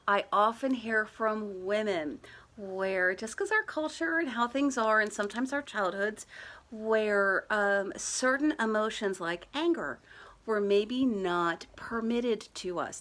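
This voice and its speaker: Woman wellness coach, soft reassuring delivery, chatty with filler pauses, mid pitch. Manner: gentle, reassuring and conversational, with frequent "uh" fillers. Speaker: EFT tapping coach. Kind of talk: guided wellness talk to a live online audience.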